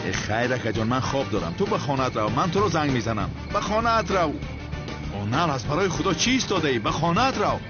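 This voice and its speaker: A man's voice: fairly high pitch, big pitch swings. A man dubbing a TV drama, voicing a harried man who complains and sighs at unwanted guests. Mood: annoyed. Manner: exasperated, complaining, sighing. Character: harried adult man, exasperated at his unwanted houseguests. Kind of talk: dubbed TV drama. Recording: dull lo-fi TV audio with music.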